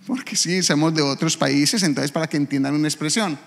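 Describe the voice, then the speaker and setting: A man's voice: a little high, brisk, long reverb tail. A man pastor preaching a sermon, dramatically acting out the voices of people in trouble. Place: church sanctuary.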